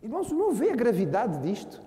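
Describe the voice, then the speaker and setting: A man's voice: extremely high pitch, wildly swooping pitch, fairly quick, mellow. A man with a Brazilian Portuguese accent, a pastor preaching a sermon who earnestly calls his listeners brothers. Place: church hall. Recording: echoey church hall with long reverb.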